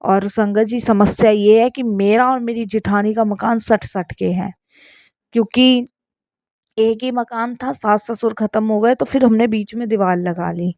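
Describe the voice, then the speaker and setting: A woman's voice: fairly high pitch, steady tone, unhurried, a little mellow, no echo. A woman in her thirties earnestly sharing a spoken devotional testimony, repeatedly addressing her listeners. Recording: dull lo-fi sound.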